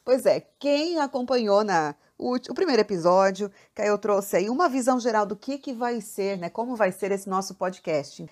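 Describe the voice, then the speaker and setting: Chatty woman hosting a podcast. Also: medium pitch. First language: Portuguese. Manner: chatty, addresses the listener directly. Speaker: podcast host. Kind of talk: casual language-learning podcast talk.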